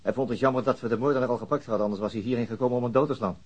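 A man's voice: mid-range voice, racing, husky, dull audio, close to an everyday voice. An actor playing a methodical, slightly weary police detective in a radio drama, hesitating as he thinks aloud. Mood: explaining, pondering. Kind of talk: naturalistic radio drama acting.

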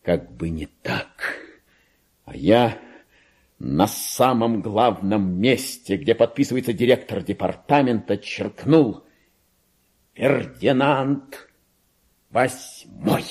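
An actor playing a deluded petty clerk who believes himself a king, in a theatrical radio monologue with a husky, grandiose and erratic delivery. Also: lively intonation, takes it slowly, long pauses, exaggerated voice. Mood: grandiose, gloating. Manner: grandiose, erratic, swinging from hushed confiding to shrill outbursts.

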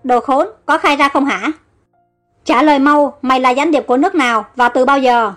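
A woman's voice: high voice, moderate pace, fairly bright tone, faint music behind. A woman voicing a male soldier who reports respectfully to his king. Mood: harsh. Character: deferential male Egyptian soldier.

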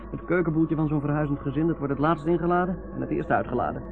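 A young ship's doctor in a radio drama, brisk and reassuring, with a fairly high voice. He chats and repeats himself to soothe. The old recording is very thin and noisy. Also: vocal fry, narrow, tinny audio. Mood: talkative, reassuring. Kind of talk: Dutch radio play acting.

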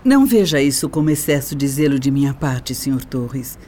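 A stern, respectable Brazilian mother in a radio drama. Her voice is low and mellow, with swooping intonation. She speaks with formal, guarded politeness over a noisy ambient track. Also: animated, normal speed. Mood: guarded, probing.

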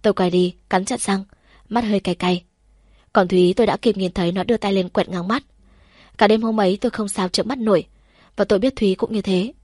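A woman's voice: medium pitch, steady tone, brisk, darkish tone, dry recording. Woman narrating a novel, dry close sound. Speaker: audiobook narrator. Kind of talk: first-person novel narration.

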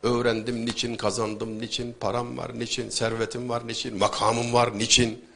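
A man giving a conversational religious and literary talk, telling anecdotes with rhetorical questions and sudden loud emphasis. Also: mid-range voice, little pitch movement, moderate pace, vocal fry, husky.

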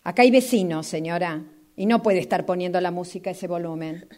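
A woman's voice: on the low side, fairly quick, a little mellow, lightly acted. A woman with a Rioplatense accent playing a firm, easily exasperated male estate agent in an amateur radio drama. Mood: scolding. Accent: Rioplatense Spanish. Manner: insistent, scolding, repetitive.

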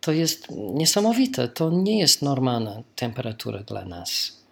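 A man's voice: medium pitch, sing-song, measured pace, creaky, a bit bright. A man from Australia, a native English speaker, speaking Polish as a learner with an Australian English accent, in careful phrasing with small slips, as in an informal recorded message.

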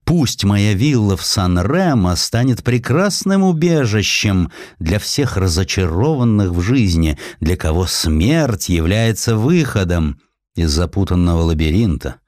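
Man acting a brooding, morbid male inventor, deep-voiced. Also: darkish tone, no room sound, studio quality.

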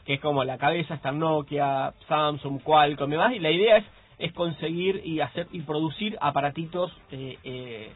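A man's voice: on the high side, normal speed, hardly any pauses, husky, no echo. A man with an Argentine accent co-hosting a radio tech show, chatting loosely and joking, often restarting his sentences. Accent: Argentine Spanish. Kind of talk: casual radio chat. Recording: phone-like radio broadcast.

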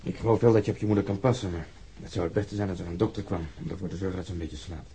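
A man playing a calm, practical and considerate police detective in a crime radio drama, plain-spoken and factual. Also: deep voice, rapid-fire, husky, full character voice. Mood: gently practical.

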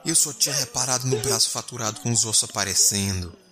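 A man's voice: mid-range voice, quick pace, pushed and bright, natural voice. A man with a Brazilian accent playing a bewildered, squeamish young explorer in a horror audio drama, colloquial and incredulous. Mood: horrified. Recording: music behind the voice.

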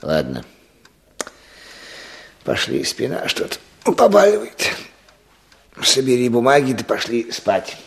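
An actor playing a weary, patient older village official in a Russian radio play, with an unhurried, avuncular, sighing manner. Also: male voice, mid-range voice, wildly swooping pitch, creaky, exaggerated voice. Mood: calm, instructing.

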